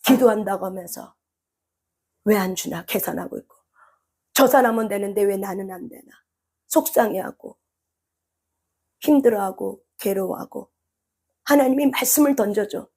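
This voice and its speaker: A woman preacher giving an impassioned sermon. She keeps asking the congregation questions, and her voice climbs into shouted cries. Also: mid-range voice, normal speed, long pauses, husky. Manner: impassioned, rises to shouted cries when voicing prayer; asks the congregation rhetorical questions.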